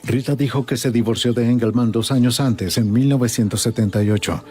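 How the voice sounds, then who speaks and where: A man narrating a true-crime documentary in a measured, even storytelling manner. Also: mid-range voice, breathy edge, faint music behind.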